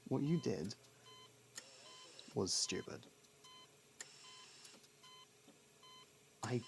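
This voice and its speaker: Guy playing a snarky criminal partner in asmr roleplay, low gravelly voice, scolding but secretly worried, bit noisy recording. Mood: scolding, upset. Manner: exasperated, scolding, halting pauses, swearing.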